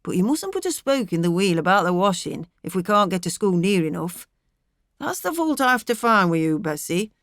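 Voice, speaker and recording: A woman's voice: mid-range voice, very animated, a little fast, no room sound, clean studio sound. A woman voicing a stubborn, blustering middle-aged miller with a rural English accent, in emphatic, ruminating dialect, for an audiobook. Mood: defiant.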